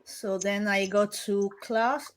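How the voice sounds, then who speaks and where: A woman hosting an interview, asking informal questions in a halting way. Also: mid-range voice, fairly even intonation. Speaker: interviewer, host.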